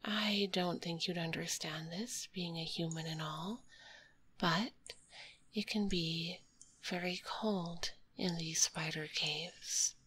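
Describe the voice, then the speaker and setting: A woman playing a kind, curious spider monster girl in a whispered ASMR roleplay, speaking gently in a breathy, politely formal way, close to a binaural microphone. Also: on the low side, steady tone, takes it slowly, slight background noise, rough recording. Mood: wistful, fascinated. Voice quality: breathy, hushed.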